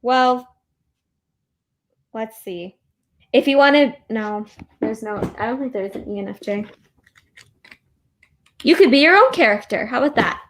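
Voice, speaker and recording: A woman's voice: on the high side, animated, a little slow, pauses often, fairly bright tone, slight background noise. A young American woman co-hosting a casual book chat, informal and playfully self-deprecating. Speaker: co-host of a book discussion live stream. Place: in bed at home.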